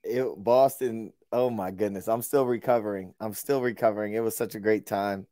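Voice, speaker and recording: A man's voice: on the low side, fairly even intonation, normal speed, warm tone, no echo. Easygoing male co-host, dry sound. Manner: easygoing, joking, storytelling. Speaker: podcast co-host. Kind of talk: casual podcast chat.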